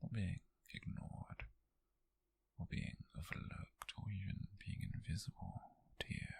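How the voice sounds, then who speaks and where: Man acting a gravelly whispering British obsessive admirer. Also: on the low side, dry recording, heavily acted. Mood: confessional, longing. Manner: slow, intimate, brooding, with heavy pauses. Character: obsessive, possessive lovesick male co-worker turned captor. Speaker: ASMR roleplay performer. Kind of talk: whispered ASMR roleplay monologue. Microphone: close-up, dry microphone.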